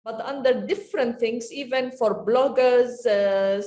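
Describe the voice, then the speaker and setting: Woman panelist, higher voice, earnest and halting, echoey room over a video call. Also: mellow. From Jordan. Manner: earnest, measured, with many pauses and fillers. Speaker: panelist, media organization director. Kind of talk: panel discussion answer.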